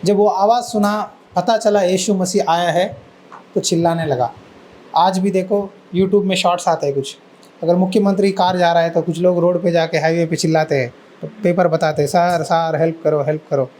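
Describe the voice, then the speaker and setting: High-voiced male pastor preaching. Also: fairly even intonation, moderate pace, darkish tone, rough recording. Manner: storytelling, acts out voices of people in the story; asks the listeners questions and answers them. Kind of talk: sermon.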